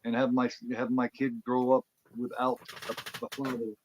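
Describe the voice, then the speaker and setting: A man from Indiana, a former wrestler, telling animated, rambling stories as an interview guest and often repeating words. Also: mid-range voice, normal speed, a little hiss or hum, poor audio. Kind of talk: casual storytelling.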